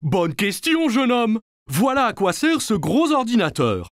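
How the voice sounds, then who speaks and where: A man's voice: high-pitched, wildly swooping pitch, measured pace, no room sound, clean studio sound, exaggerated voice. A man voicing a friendly, hearty firefighter in a French-dubbed children's cartoon, explaining things simply and encouragingly to kids. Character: friendly, jovial adult male firefighter showing children around.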